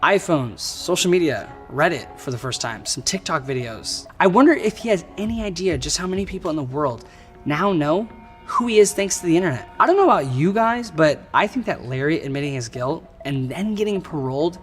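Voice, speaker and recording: A man with a somewhat high voice tells a true crime story in a loose, casual way and drops wry, slangy jokes between the facts. Clear background music plays under his narration throughout. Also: expressive, brisk. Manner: wry, joking asides with slang. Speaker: true crime show host.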